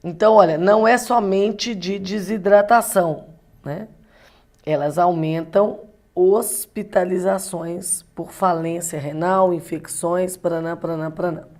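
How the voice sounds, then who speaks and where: Low-voiced woman teaching an exam-prep class. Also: slow pace, a little mellow. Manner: explanatory, asks rhetorical questions, frequent tag "né". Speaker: Portuguese teacher.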